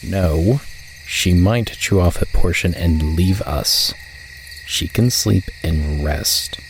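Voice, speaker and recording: A very low-voiced wolf leader played by a man in an audio drama, stern and guarded. He speaks in curt, firm statements, with faint night insects behind him. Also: slow pace, noisy background. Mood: firm, wary. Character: stern, wary male wolf, leader of the pack.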